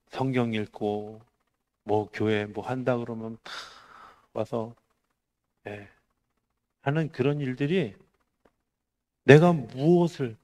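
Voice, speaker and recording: A middle-aged male pastor giving a conversational Korean sermon. He asks the congregation rhetorical questions and swings between raised, emphatic lines and quiet, hushed ones. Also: fairly low pitch.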